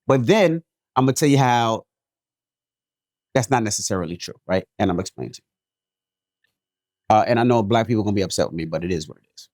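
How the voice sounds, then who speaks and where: A man from New York City co-hosting a podcast, reading a listener's email aloud and then giving his take in a joking, animated way. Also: on the low side, quick pace, pauses often, dry recording, studio quality. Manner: animated, jokey, repeats himself. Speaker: podcast co-host.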